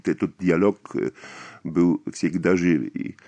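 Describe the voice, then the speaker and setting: Interview guest: man, 50s, Polish accent, very low pitch, hesitant. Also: slow, dark tone, dull audio. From Poland. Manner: hesitant, many fillers and restarts. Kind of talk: radio interview answers.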